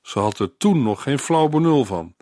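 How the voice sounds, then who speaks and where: A man reading a scripted commentary on a Bible book, measured and deliberate, lifting his voice for quoted lines. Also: medium pitch, animated, dark tone, dry recording, studio quality. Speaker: Bible teacher.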